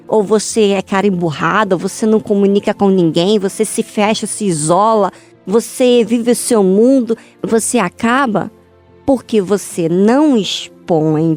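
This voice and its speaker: A woman delivers a motivational faith talk in an ordinary mid-range voice. She speaks straight to her listeners in an earnest tone and keeps returning to pointed questions. Soft music runs faintly underneath. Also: mid-range voice. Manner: earnest, addresses listeners directly with repeated questions. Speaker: speaker at a church youth meeting.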